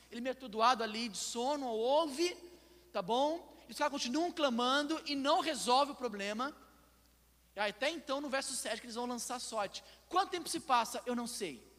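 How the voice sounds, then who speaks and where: A man with a Brazilian Portuguese accent preaching a sermon in church as pastor, swinging between loud and hushed and putting pointed questions to the listeners. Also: very high-pitched, long reverb tail. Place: church sanctuary.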